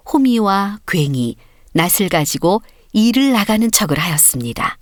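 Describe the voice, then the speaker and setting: Woman narrating storybooks, very animated pitch. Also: no echo, clean studio sound. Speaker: audiobook narrator.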